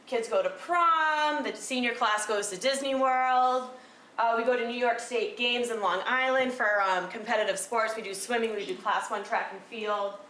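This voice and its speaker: A woman in her thirties giving a casual talk as a recreational therapist, loud-voiced and chatty with lots of fillers. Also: fairly high pitch, normal speed, low-quality recording. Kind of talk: casual talk to a small audience. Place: room with a presentation screen.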